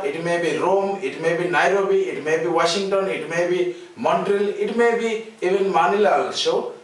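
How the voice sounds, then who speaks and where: Slow, echoey Indian English male teacher. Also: high-pitched. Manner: slow and deliberate, spells out letters, repeats key terms. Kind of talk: classroom lecture. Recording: very echoey room, mic far off.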